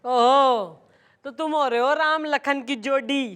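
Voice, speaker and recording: An actress playing a bossy, blunt female police station chief with a Haryanvi accent, talking loudly in rustic slang in a TV sitcom. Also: high voice, slow, soft background music. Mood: brash. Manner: loud, blunt, rustic slang mixed with English. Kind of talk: sitcom acting.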